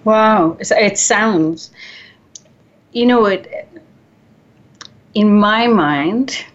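A woman's voice: medium pitch, very slow. A woman host asking curious, musing questions in an interview. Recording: dull lo-fi audio.

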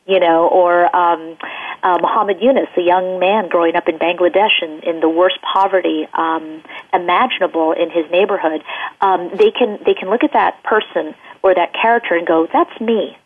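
A woman's voice: lowish voice, fairly even intonation, normal speed, breathy edge. A woman children's book author speaking in an interview, rambling along with many fillers and restarts. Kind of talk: casual interview over the phone. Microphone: telephone. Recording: tinny phone line.

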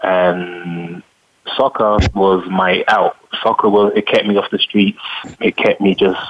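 A low, even-voiced man with a London accent answers interview questions in a measured way, stopping often to think. He is a middle-aged retired soccer player. The recording sounds dull and lo-fi. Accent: London English. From England. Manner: measured, frequent "um" pauses.

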